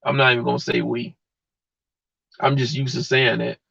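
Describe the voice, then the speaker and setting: A man's voice: mid-range voice, level tone, normal speed, gravelly, sharp tone, husky, dry recording. A man hosting a livestream, giving a blunt, heated, slangy rant straight to his viewers. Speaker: livestream host. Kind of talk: casual slangy rant to live chat. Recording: dull lo-fi mic.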